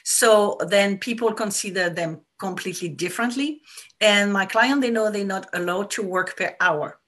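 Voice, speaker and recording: With a medium-pitched, slightly bright voice and a normal pace, a woman from France answers casual interview questions in a French accent. As a business coach, she explains what she does sincerely, stressing ideas through repetition.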